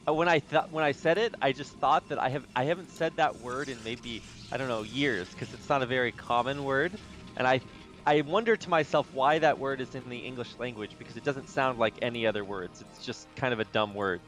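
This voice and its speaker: A man casting a strategy video game, chatting and rambling between plays and rising with excitement when the action heats up. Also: mid-range voice. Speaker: esports caster. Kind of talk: play-by-play commentary.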